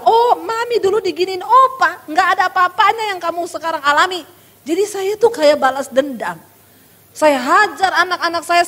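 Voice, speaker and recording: A woman pastor with a high voice delivers a dramatic sermon, calling out to her congregation as she tells her own story. Her voice carries a long reverb from a large church hall. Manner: addresses the congregation as "saudara", emphatic and dramatic. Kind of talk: sermon with personal testimony.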